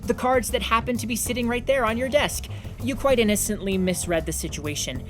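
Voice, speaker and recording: A woman's voice: on the high side, brisk, lightly acted. A woman voicing a self-important sixth-grade boy detective who talks in a formal, pompous way with fancy words. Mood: self-assured. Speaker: narrator and lead character. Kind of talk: audio drama acting. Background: music.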